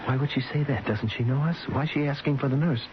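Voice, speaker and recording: An actor playing an anxious, devoted husband and father in a 1970s radio drama, with an urgent, halting, pleading manner. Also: mid-range voice, lightly acted. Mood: anxious, puzzled. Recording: muffled, hissy old radio broadcast.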